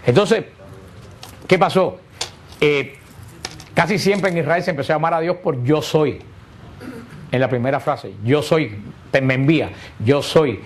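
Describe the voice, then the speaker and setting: A man's voice: fairly high pitch, measured pace, long pauses, slight background noise. A man teaching a catechesis lesson to a group, explaining step by step and posing rhetorical questions that he answers himself.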